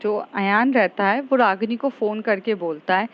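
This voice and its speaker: A woman's voice: medium pitch, moderate pace, dull audio. A woman retelling a story casually, rambling, with many fillers and restarts.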